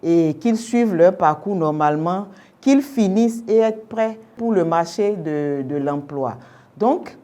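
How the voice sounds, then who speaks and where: A young adult woman whose first language is Yoruba speaks slowly, with a warm, mellow tone. She explains her views carefully, posing rhetorical questions as an interview guest. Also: on the low side, expressive. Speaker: orientation specialist guest. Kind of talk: formal radio interview answers.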